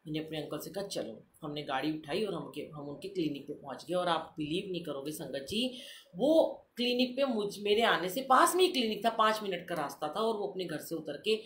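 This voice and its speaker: A middle-aged woman giving a satsang talk, telling a personal story and acting out the dialogue with lively emotion. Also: fairly low pitch, fairly quick, slight background noise. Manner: animated, acts out quoted dialogue. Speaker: satsang speaker. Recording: echoey room with faint ambience.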